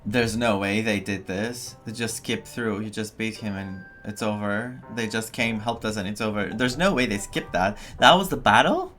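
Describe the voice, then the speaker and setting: A man's voice: lowish voice, moderate pace, hardly any pauses, fairly bright tone, faint music behind. A man streaming a video game, reacting casually with incredulous, repetitive muttering.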